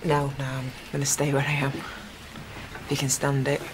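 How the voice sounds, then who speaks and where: Guy doing an earnest hesitant man in a tv drama, pretty flat tone, sorry sounding, noise behind. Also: medium pitch, lightly acted. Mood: earnest, apologetic. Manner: halting, earnest. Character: apologetic, hesitant man confessing his feelings. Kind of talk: naturalistic TV drama acting.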